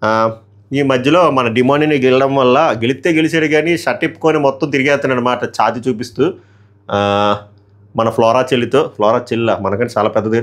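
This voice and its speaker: Guy reviewing a reality show, sarcastic and chatty, mid pitch, keeps doing the contestants' voices. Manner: sarcastic, mimics housemates in raised voices. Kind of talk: casual recap commentary.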